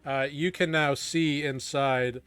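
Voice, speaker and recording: A man running a tabletop game as game master, narrating casually in halting, improvised descriptions. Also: fairly high pitch, steady tone, a bit bright, clean tone, no echo, faint music behind.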